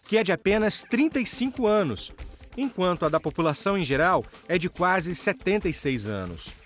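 A man's voice: high voice, big pitch swings, normal speed, fairly bright tone. A man reading a scripted documentary narration as a reporter. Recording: voice-over with clear music behind.

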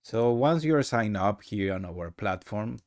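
A man narrating a casual software tutorial with halting, rambling phrasing. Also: fairly low pitch, animated, dry recording, studio quality. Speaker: presenter of a software demo.

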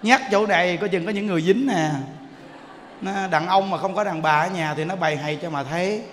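A man preaches as a Buddhist monk, telling stories in a lively way and often turning to his listeners with "see?". His voice rings through a reverberant temple hall. There is faint noise in the background. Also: sits high, a little fast. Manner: lively storytelling, often asking the audience "see?". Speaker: Buddhist monk teaching dharma. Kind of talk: sermon.

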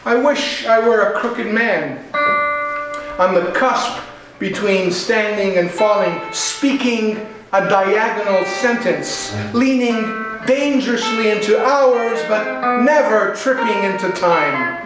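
A middle-aged man reading his own poetry dramatically, in a deliberate, incantatory manner with stuttered repetitions. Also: high voice. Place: small indoor art gallery before an audience. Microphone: distant camera. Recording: echoey gallery room, guitar behind. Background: electric guitar with effects.

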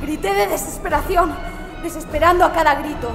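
A woman's voice: very high-pitched, fairly quick, vocal fry. A woman narrating a first-person horror story in a theatrical, intense, dramatic manner. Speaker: audiobook narrator. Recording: echoey long reverb, music behind. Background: music.

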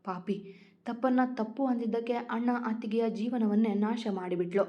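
A woman's voice: on the high side, fairly even intonation, moderate pace, lo-fi sound, close to an everyday voice. A woman voicing a grieving elderly grandmother, tearful and bitter, in a storybook reading.

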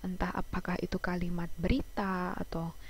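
A woman teacher with an Indonesian accent giving an online class over a video call, explaining slowly with many fillers and restarts. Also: on the low side, flat delivery, a little hiss or hum, low-quality recording. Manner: hesitant explaining, frequent fillers, self-corrections.

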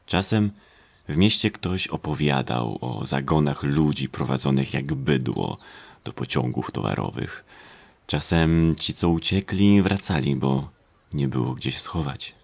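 A man narrating a horror audio drama in a brooding way, in short, pause-laden phrases. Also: extremely low pitch, expressive, creaky. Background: atmospheric sound effects.

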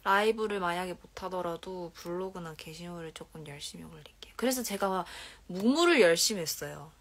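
A woman's voice: on the low side, fairly quick. A young woman in her twenties with a Korean regional accent, chatting casually on a livestream from a dim bedroom, reading comments aloud and often dropping into whispers and giggles. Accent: Korean regional dialect. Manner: soft-spoken, drifts into whispers and giggles. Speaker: idol livestream host. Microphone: phone held at arm's length.

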